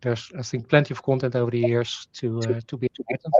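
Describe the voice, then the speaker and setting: A man's voice: mid-range voice, little pitch movement, fast talker, darkish tone, no room sound, lo-fi sound. A man whose native language is Dutch, giving a technical presentation, explaining with rhetorical questions, fillers and restarts.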